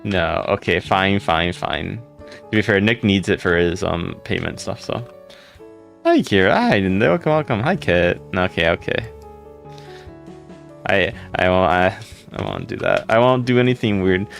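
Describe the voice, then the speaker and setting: A man with a deep voice chatting casually on a livestream, rambling and greeting viewers by name. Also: sing-song, a little slow, gravelly, fairly bright tone, faint music behind.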